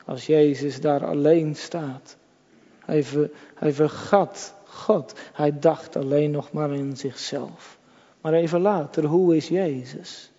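Man, pastor, slow emphatic sermon, mellow higher voice, dull lo-fi recording, long church reverb. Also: steady tone. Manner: emphatic, repetitive preaching addressed to the congregation.

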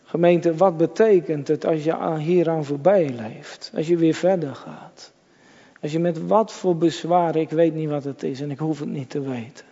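A man's voice: a little high, normal speed, warm tone. A man preaching a sermon to his congregation in church, emphatic and repetitive, addressing his listeners directly. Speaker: pastor. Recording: dull lo-fi church recording with long reverb.

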